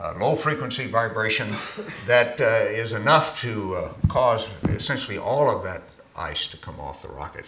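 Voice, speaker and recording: A man at a moderate pace with audible room echo. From United States. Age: 80s+. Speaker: former astronaut and geologist. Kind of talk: lecture to an audience. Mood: genial, lightly humorous. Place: hall. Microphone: podium.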